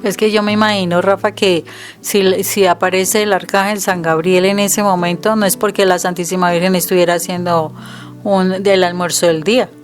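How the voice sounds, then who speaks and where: A woman's voice: lowish voice, steady tone, moderate pace, soft background music. A middle-aged Colombian woman, a Catholic missionary co-hosting, who explains prayer in an earnest, emphatic way and quotes scripture aloud. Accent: Colombian Spanish. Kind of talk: conversational religious teaching.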